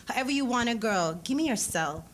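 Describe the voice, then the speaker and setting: A woman's voice: on the high side, expressive, a little fast, a bit bright. Woman reader as young male sweet-talker, persistent, slangy, familiar, storybook dialogue over audible noise. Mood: coaxing. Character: smooth-talking, persistent young man courting a girl. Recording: clearly noisy live event recording.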